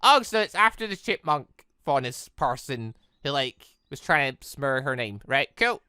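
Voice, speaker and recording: Let's-play host: animated and bright, reads game text aloud, trips over words, tosses in casual reactions. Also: medium pitch, unhurried, smooth, dry recording, studio quality. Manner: stumbles and corrects misreadings, interjects reactions. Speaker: gaming video host. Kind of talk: visual novel read-aloud with casual commentary.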